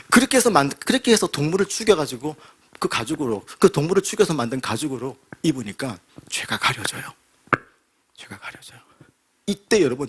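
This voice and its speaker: A male pastor preaching in a church with a slightly husky voice, pitched a touch high. His delivery is lively and dramatic, full of rhetorical questions. He swings between near-whispers and loud, urgent lines. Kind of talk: sermon. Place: church sanctuary.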